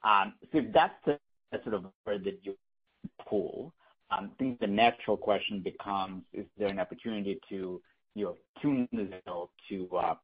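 A man's voice: on the low side, normal speed, breathy edge. A man working as a financial analyst, asking a question on an earnings call in a hesitant, roundabout way. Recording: dull lo-fi phone-in audio.

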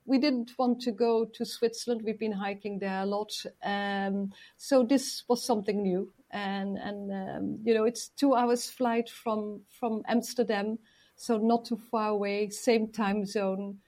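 A woman from the Netherlands speaking as an interview guest, polite and hesitant with many pauses. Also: mid-range voice, steady tone, warm tone. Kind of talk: interview answers.

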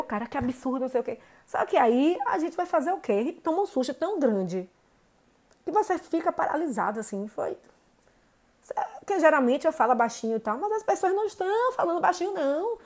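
A woman, telling a personal story to viewers in an indignant, animated way. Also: high-pitched, normal speed. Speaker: vlogger.

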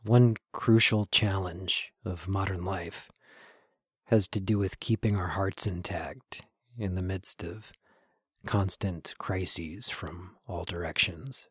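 A man with a husky, breathy voice narrating a scripted podcast introduction in a measured, earnest way. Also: low-pitched, steady tone, fairly bright tone, no room sound, studio quality. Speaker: podcast writer, producer and host.

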